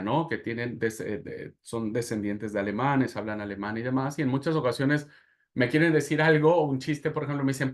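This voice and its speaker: Man, Mexican accent, Bible class lecture, lively storytelling with asides. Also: a little high. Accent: Mexican Spanish. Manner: animated storytelling with laughs and asides.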